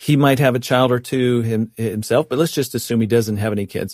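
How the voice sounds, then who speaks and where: A man with a plain, everyday voice at a medium pitch with ordinary pitch variation, moving at a fairly quick pace on a very clean recording with a silent background. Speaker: family counselor. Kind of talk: casual chat. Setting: studio.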